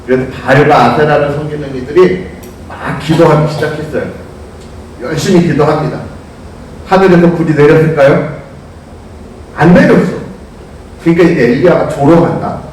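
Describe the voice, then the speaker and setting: A man preaching a lively storytelling sermon to young people, asking them questions and calling on them by name. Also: on the high side, normal speed, pauses often, a little hiss or hum. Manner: animated, asks listeners questions, calls on them by name. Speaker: youth pastor. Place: church sanctuary. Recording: echoey church hall, distant mic.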